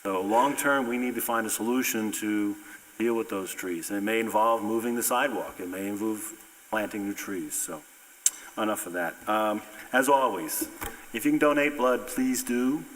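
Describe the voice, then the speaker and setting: Folksy low-voiced man in an echoing council hall. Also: normal speed, a bit bright. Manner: folksy, earnest, repeats himself. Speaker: town council member. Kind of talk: council member comments. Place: town council chamber. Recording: long reverb of a meeting hall.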